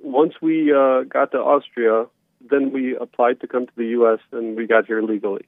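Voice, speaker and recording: A man's voice: mid-range voice, steady tone, moderate pace, dry recording. Hesitant man on a tinny phone line. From born in Romania, later moved to the United States. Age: 30s. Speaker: caller. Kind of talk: casual personal account on a call-in show.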